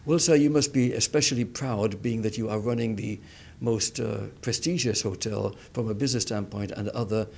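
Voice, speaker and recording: A man's voice: fairly low pitch, fairly even intonation, moderate pace, vocal fry, darkish tone. A man hosting a TV interview show, asking questions in a formal, polite way, addressing his guest as sir.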